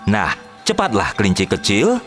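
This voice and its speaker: A woman voicing a cunning young male musician in a cartoon, giving sly, bossy orders in a lowered voice. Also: huge pitch swings, moderate pace, faint music behind, exaggerated voice. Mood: scheming. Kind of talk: cartoon dub storytelling.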